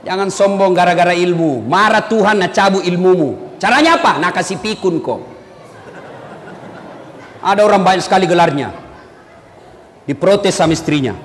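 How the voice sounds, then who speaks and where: A man's voice: high voice, normal speed, long pauses. A man from Sulawesi, giving a humorous sermon and acting out the people in his jokes. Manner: lively, teasing, acts out quoted people in put-on voices. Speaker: preacher. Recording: echoey hall with faint background noise.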